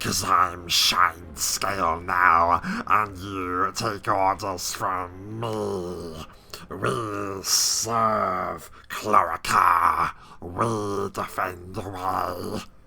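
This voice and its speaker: A man puts on a raspy character voice with a very deep, low pitch, speaking very slowly. Light background noise sits behind him. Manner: commanding, domineering.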